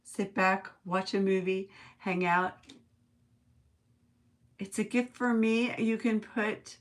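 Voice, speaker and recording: The woman at the craft table on a weekend livestream, thinking out loud and chatting easily with whoever drops in. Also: medium pitch, fairly even intonation, takes it slowly. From United States. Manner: chatty, musing aloud, chuckling often. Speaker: host of a live craft stream. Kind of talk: casual craft-along chat, reading viewer comments.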